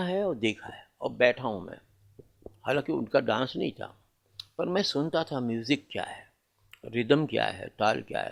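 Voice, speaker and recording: At a medium pitch, a man speaks with very wide pitch swings. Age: 70s. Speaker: Kathak dancer. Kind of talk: interview answer. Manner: humble, candid.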